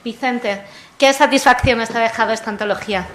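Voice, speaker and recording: A woman's voice: fairly high pitch, a little fast, a bit bright, slight background noise. A woman, a publisher, moderating a poetry panel with enthusiasm. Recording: echoey hall.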